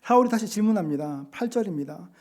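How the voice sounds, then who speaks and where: A middle-aged man preaching a sermon as pastor, earnestly explaining scripture and slowing down to read passages aloud. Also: sits high, expressive, a little mellow. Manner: earnest, slows to read scripture and act out quotes. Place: church sanctuary.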